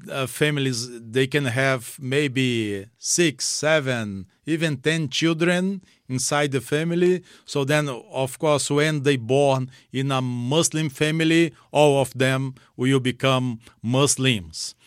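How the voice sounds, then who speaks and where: A man's voice: mid-range voice, clear, resonant tone, no room sound, clean studio sound. Earnest missionary man, English. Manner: earnest, simple second-language English with pauses. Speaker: missionary guest. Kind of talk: interview, personal testimony.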